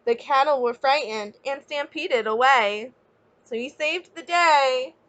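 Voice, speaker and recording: A woman's voice: sits high, low-quality recording. A woman teacher reading a children's picture book aloud expressively, stepping out of the story to chat with young listeners. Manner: expressive, pausing to ask young listeners questions and explain.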